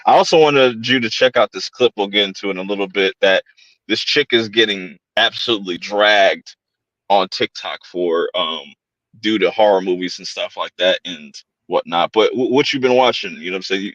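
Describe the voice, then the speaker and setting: A man's voice: lowish voice, moderate pace, a bit bright, no echo, lo-fi sound. A man hosting a horror podcast in casual chat, laid-back and slangy, often repeating his phrases. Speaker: podcast host. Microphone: home streaming setup.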